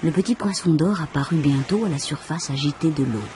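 Role: narrator. Style: expressive fairy-tale reading. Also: mid-range voice, slight background noise. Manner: expressive, measured storytelling. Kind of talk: scripted storybook narration. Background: music.

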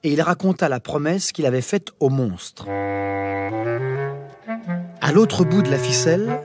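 A man narrating a children's story slowly and expressively. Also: a little high, lively intonation, a little mellow. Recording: music underneath.

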